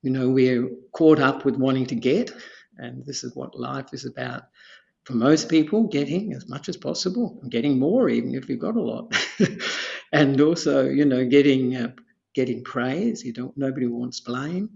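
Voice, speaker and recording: Gravelly older man, dull lo-fi audio. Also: medium pitch, moderate pace. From Australia. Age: 70s. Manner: rambling, repeats phrases, chuckles softly. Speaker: Buddhist monk, podcast guest. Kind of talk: unhurried teaching talk.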